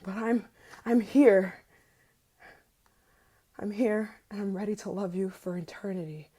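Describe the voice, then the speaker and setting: Dark-toned, obsessive yandere lover played by a woman. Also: medium pitch, steady tone, measured pace. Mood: desperate, angry. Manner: swings between breathy whispers and frantic outbursts. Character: obsessive, unhinged yandere lover, possessive and murderous. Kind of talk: ASMR roleplay, intimate dramatic monologue.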